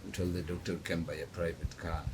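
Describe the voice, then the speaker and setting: Middle-aged man from Kenya, low voice, hesitant and soft-spoken, clear background noise. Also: little pitch movement, fast talker. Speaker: guest. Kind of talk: casual interview.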